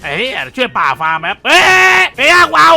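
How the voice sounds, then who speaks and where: High, gravelly, excitable gaming man. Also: a little fast. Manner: excitable, crude and joking, laughs often. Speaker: gaming YouTuber. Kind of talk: casual gameplay commentary.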